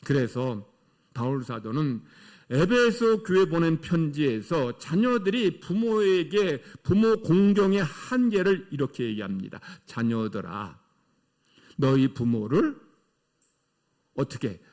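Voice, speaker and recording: Animated high-voiced preaching pastor. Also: male voice, unhurried. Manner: emphatic preaching with rhetorical questions. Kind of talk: sermon. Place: church sanctuary.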